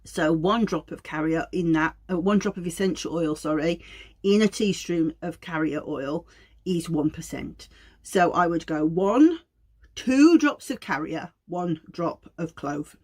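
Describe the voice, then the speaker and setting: Speaking a little slowly and with animation, this aromatherapy educator and host has a fairly low, darkish voice. She's a Wolverhampton woman with a Black Country accent, chatting informally to viewers and poking fun at herself as she explains.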